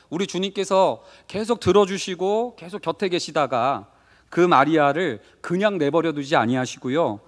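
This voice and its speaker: Lively male pastor in a reverberant church. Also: high-pitched. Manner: conversational, asks the congregation questions; acts out short quoted lines. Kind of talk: Wednesday sermon. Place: church sanctuary. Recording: long reverb of a church hall.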